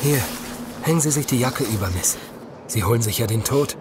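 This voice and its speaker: A man playing a falsely courteous, menacing vagrant in a horror audio drama, speaking in a measured, mock-polite way. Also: medium pitch, lively intonation, background noise, close to an everyday voice.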